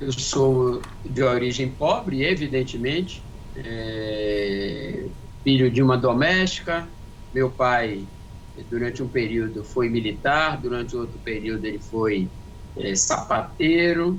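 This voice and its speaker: Speech comes at a very slow pace with ordinary pitch variation. There is audible room echo and noticeable background noise. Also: man, medium pitch for a man. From Brazil, Salvador, Bahia. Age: 60s. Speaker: cultural foundation director, architect. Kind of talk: interview conversation.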